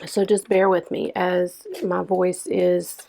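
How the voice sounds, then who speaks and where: A young woman with a hoarse, stuffed-up voice chatting casually through a planner-decorating vlog. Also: lowish voice, monotone, a little mellow, slight background noise. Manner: chatty, lots of ums, unhurried. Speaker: planner vlogger. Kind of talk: casual plan-with-me narration.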